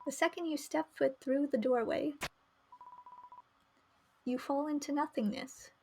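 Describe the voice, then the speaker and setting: A woman's voice: sits high, measured pace, vocal fry, a little mellow, slight background noise. A woman live streaming a game, reading narration aloud and adding chatty asides. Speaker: streamer playing a visual novel.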